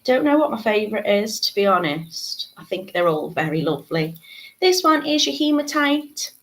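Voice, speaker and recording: A woman from the United Kingdom, a jewellery-making tutor leading a live craft tutorial. She chats along with lots of ums and asides, and her voice sounds a little congested and croaky. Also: mid-range voice, big pitch swings, normal speed, a bit bright. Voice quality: chatty, many ums and asides.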